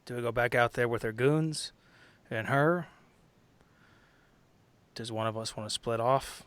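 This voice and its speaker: A man's voice: medium pitch, a little slow, a bit bright, lightly acted. A man voicing a tall, aloof monster hunter from Kansas who asks blunt questions. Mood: practical.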